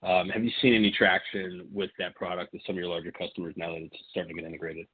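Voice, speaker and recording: A male analyst puts questions to executives on an earnings call. His voice is low and husky, his wording loose and hedged, and he is heard over a narrow phone line. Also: level tone, fast talker. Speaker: financial analyst caller.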